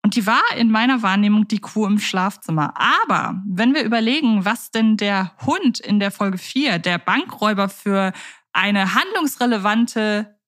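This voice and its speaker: A woman co-hosts a podcast and steers the conversation with questions. She talks in an articulate, lively way, with a voice in the ordinary middle range for a woman. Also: mid-range voice, moderate pace. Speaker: podcast co-host. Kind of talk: casual podcast chat.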